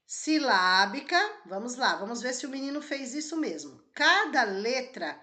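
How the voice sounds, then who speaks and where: Bright-voiced teacher woman. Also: a little high, big pitch swings, normal speed. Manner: explains step by step, asks the class questions. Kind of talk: exam-prep lesson walkthrough.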